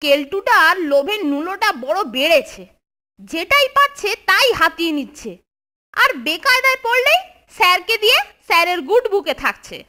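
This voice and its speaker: A mischievous cartoon schoolboy, very high and piercingly bright. The boy is excitable and scheming, with pitch that jumps around. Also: normal speed, full character voice. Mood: indignant. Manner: excitable, animated. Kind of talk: children's cartoon dub.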